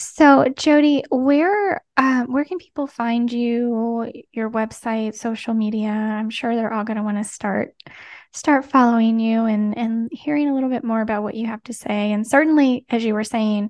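Against a quiet background, a woman with an unremarkable speaking voice talks at a moderate pace, her fairly high pitch showing ordinary variation. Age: 40s. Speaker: podcast host and pet health coach. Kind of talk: casual interview chat.

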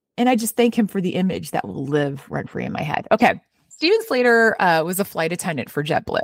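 A woman with an American accent talks at a fairly quick pace in a medium pitch, with very wide pitch swings and vocal fry. The sound is dry and close, with no echo. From US Midwest, Chicago suburbs. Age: 40s. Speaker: podcast co-host, HR leader. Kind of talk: casual chat.

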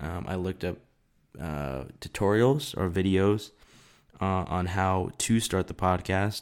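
In a very clean recording with a silent background, a man speaks with an American accent in a very deep, low pitch. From Southern California. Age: young. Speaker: podcast host. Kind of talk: casual monologue. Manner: halting.

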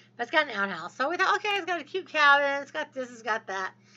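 Talking at a very fast pace, a woman sounds animated, with a bright, sharp tone. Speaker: real estate investor. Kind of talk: podcast monologue. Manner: chatty, animated.

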